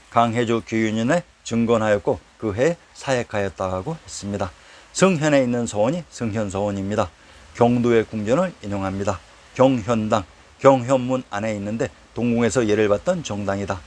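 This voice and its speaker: A man reading a formal lecture on old place names, reciting quotations from historical texts at a steady, even pace. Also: lowish voice, brisk. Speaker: narrator of a history lecture series. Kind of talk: read-aloud historical lecture.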